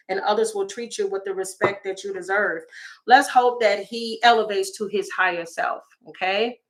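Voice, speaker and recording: A woman with a slightly raspy voice, chatting through a tarot reading for her viewers with exclamations and asides. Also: mid-range voice, a bit bright. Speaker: tarot reader.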